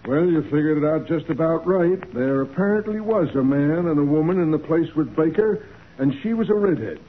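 Higher-voiced, businesslike policeman played by an actor. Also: lively intonation, brisk, natural voice. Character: gruff, businesslike male police officer reporting evidence. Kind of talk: 1940s radio acting. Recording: muffled, hissy 1940s radio recording.

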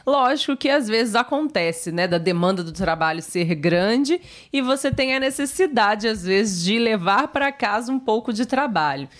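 A woman's voice: on the high side, lively intonation, moderate pace, few pauses. A woman with a Brazilian accent co-hosting an educational live chat, speaking casually and agreeably and often ending phrases with a small check for agreement. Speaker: co-host of a Portuguese-learning live show. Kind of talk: casual conversational commentary.

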